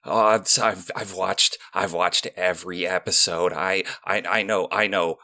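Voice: low voice, fairly even intonation, unhurried, sharp tone, heavily acted. A player voicing a starstruck fan character who stammers and gushes nervously. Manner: stammering, gushing, anxious. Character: starstruck young fan adventurer.

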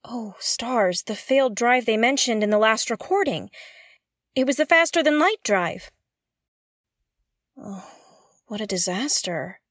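A woman's voice: on the high side, lively intonation, a little slow, long pauses, fairly bright tone, dry recording, clean studio sound. A woman playing a curious, jittery explorer alone on a derelict spaceship, thinking aloud in an audio drama in a hesitant, exclamatory way. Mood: alarmed, speculating. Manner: hesitant, exclamatory, muttering to herself.

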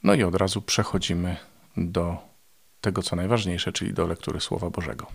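A man, a Baptist preacher, hosting a morning devotional and reading scripture aloud in a calm, measured way. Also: low-pitched, vocal fry, a little hiss or hum.

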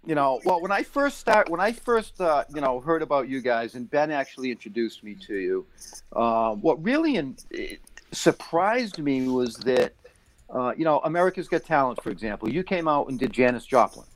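A man's voice: mid-range voice, very animated, normal speed, rough recording. A man in his fifties co-hosting an interview, rambling with many fillers. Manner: rambling, lots of "you know" and "uh". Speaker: co-host. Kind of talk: casual interview chat.

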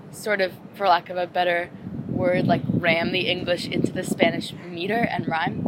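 A woman's voice: on the low side, heavy background noise. A woman translator talking casually about her work, with frequent "like" and "um". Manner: casual, uses "like" and "um" often. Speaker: poetry translator. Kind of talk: conversational interview answers.

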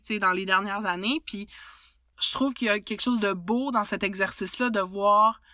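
A woman's voice: mid-range voice, sharp tone, no room sound, studio quality. A woman with a Quebec French accent co-hosting a podcast, talking thoughtfully with many hesitations and restarts. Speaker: podcast co-host. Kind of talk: reflective casual chat.

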